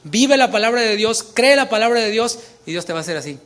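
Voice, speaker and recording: Pastor, sermon delivery, fairly high voice, emphatic with chatty asides. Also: male voice, expressive, fast, a bit bright. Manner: emphatic preaching with casual conversational asides.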